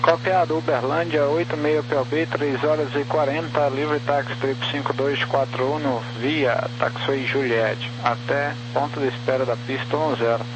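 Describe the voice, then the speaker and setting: Male air traffic controller, crackly military-style radio, clipped phraseology, clearly noisy humming transmission. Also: mid-range voice, fairly even intonation, moderate pace, few pauses, highs cut off. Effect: aviation radio.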